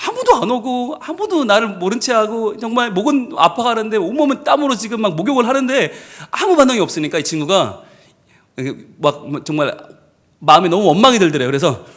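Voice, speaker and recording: A man preaching a sermon as pastor, telling a story in an animated way and acting out the people in it. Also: high voice, fairly quick. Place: church service.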